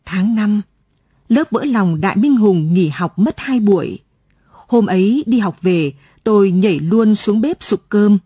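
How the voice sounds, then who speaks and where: A woman reading a story aloud in measured, scripted radio narration, recorded in a broadcast studio. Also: medium pitch, expressive, warm tone, slightly rough, no room sound.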